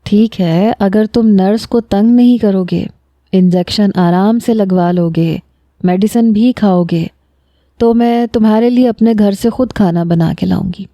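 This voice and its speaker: Woman voicing a young doctor, calm and coaxing, low-key and soft, storybook reading. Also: no room sound, studio quality, natural voice.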